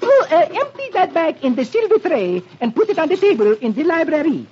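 A man voicing an excitable young French maid in a shrill, flustered manner, on a dull old radio recording. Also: brisk, slight background noise, exaggerated voice.

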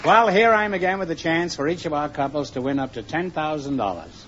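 A man hosting a quiz show, teasing the contestants with wry, deadpan quips, heard on a dull old broadcast recording. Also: fairly high pitch, a little fast, background noise. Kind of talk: wisecracking quiz host banter.

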